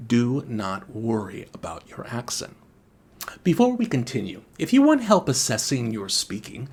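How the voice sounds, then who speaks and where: Slow husky-voiced guy teaching an english test lesson, pitch moves around a lot. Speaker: IELTS teacher and former examiner. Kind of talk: scripted teaching video.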